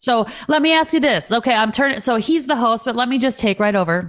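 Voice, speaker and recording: A woman in a Minnesotan accent, animated in tone with lively intonation and fairly high pitch, in a very clean recording with a silent background. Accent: Minnesota. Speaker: financial advisor and author. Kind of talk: interview podcast.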